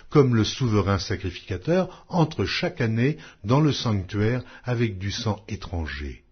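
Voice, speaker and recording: A man narrating scripture as a solemn, scripted audiobook reading with measured, declamatory phrasing. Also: lowish voice, husky. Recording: dull lo-fi audio.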